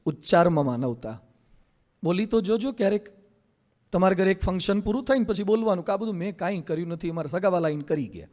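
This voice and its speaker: A man preaching a religious discourse in a Gujarati accent, animated and teasing, repeating words for emphasis. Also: high voice, fast. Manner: animated, mocks people in quoted voices, repeats for emphasis. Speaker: Hindu monk preacher.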